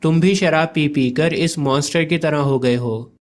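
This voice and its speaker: Man voicing a put-upon jester, whiny, protesting, slightly high voice. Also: unhurried, natural voice.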